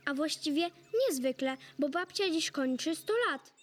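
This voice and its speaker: A woman's voice: sits high, normal speed, close to an everyday voice. A woman voicing a whiny young girl, Little Red Riding Hood. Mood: chirpy. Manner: whiny, tearful.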